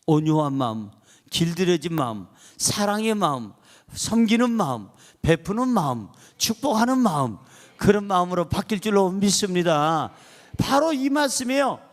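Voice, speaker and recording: A male pastor preaching a sermon in a church, with emphatic, repetitive affirmations. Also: sits high. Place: church sanctuary. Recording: long reverb from a church hall.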